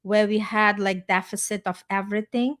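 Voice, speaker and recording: A middle-aged woman with an Eastern European accent speaks at an average pitch. She is a podcast host who talks in a chatty, effusive way, sharing personal stories in casual conversation. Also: fairly even intonation, normal speed, a bit bright. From small town in Ukraine, former Soviet Union. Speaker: podcast host and life coach.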